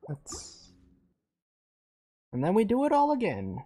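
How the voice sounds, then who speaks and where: A tired man doing casual live gameplay commentary, thinking aloud in a low-key, meandering way. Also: wildly swooping pitch, slow pace, dark tone. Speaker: game streamer.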